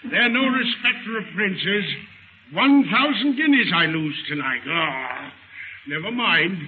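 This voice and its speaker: A man's voice: high voice, animated, measured pace. A man playing a jovial, pompous gambling prince with theatrical exclamations in 1930s radio acting style. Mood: boastful. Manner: theatrical, exclamatory, archly aristocratic. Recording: scratchy, phone-like 1930s radio recording.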